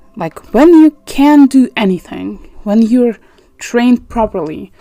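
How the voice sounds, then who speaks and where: Over noticeable background noise, a woman speaks fairly slowly in a high pitch, her voice making very wide pitch swings. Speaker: watercolour artist and art youtuber. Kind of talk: casual talk while painting. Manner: halting, self-correcting.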